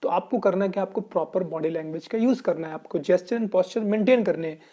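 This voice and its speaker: Mellow-voiced Indian male English teacher. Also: high voice, a little fast. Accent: Indian Hindi-speaking. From Uttar Pradesh, India. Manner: mixes Hindi with English phrases, asks and answers his own questions. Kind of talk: explanatory Hinglish lesson.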